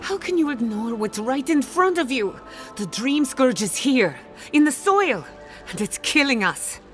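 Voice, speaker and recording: A woman's voice: high voice, very animated, a little slow, a bit bright, soft background music, heavily acted. A woman playing a passionate, defiant scholar of soul science in a fantasy video game, speaking with dramatic, pointed emphasis. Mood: urgent. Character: passionate, defiant female animancer fighting for her blighted land. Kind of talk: video game character acting.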